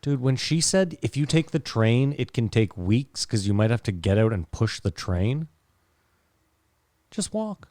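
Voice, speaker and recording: A man's voice: mid-range voice, very animated, a little slow, darkish tone, dry recording. A man co-hosting a podcast in casual talk, emphatic and incredulous, with some swearing. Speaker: podcast co-host.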